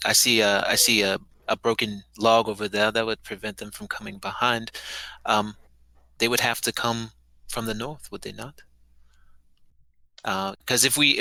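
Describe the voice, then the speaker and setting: A man playing a tabletop game, talking through tactics casually in a hesitant, halting way. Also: on the low side, creaky, pushed and bright, no room sound, poor audio.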